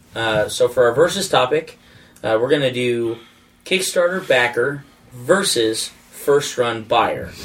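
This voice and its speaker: A man speaks in a plain, everyday voice of medium pitch. His pace is fairly slow. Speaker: podcast host. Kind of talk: casual chat.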